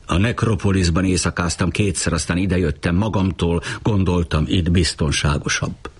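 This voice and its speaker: Guy reading a book doing a blunt young roman jew, curt short answers, super deep husky voice. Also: fairly even intonation. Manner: terse, curt replies. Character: young Jewish man from Rome, blunt and defiant. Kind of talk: audiobook reading.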